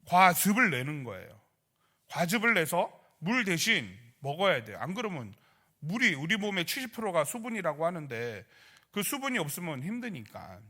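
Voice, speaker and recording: A man's voice: sits high, sing-song, normal speed, sharp tone. A male pastor preaching at a midweek prayer service, asking the congregation questions and acting out quoted grumbles and prayers. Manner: acts out church members' grumbling and prayers in quoted voices; asks the congregation rhetorical questions.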